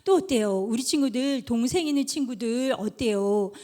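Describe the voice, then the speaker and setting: A woman's voice: on the high side, normal speed. A woman preacher giving a children's sermon, telling little stories and speaking straight to the kids. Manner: animated storytelling, addresses children directly.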